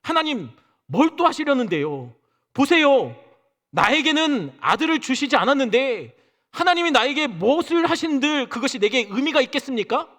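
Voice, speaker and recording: A man's voice: high voice, very animated, moderate pace, pauses often, fairly bright tone, long reverb tail, exaggerated voice. A man preaching plays the old patriarch Abraham as exasperated and sulky, talking back to God in Busan dialect. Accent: Busan dialect in the put-on speech. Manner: petulant, sulky back-talk like a teenager.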